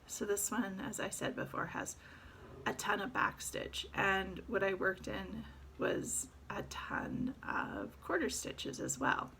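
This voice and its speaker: A woman talks through her stitching projects in a relaxed, rambling way, full of little fillers. Her voice has a gravelly fry at the edges, and a faint hiss sits under the recording. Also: medium pitch, slow. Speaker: cross-stitch vlogger. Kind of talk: casual show-and-tell chat.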